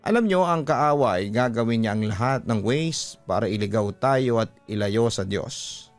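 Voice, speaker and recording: A man's voice: medium pitch, animated, normal speed, faint music behind. A man with a Filipino accent, a radio host reading a listener's letter as a dramatic first-person story.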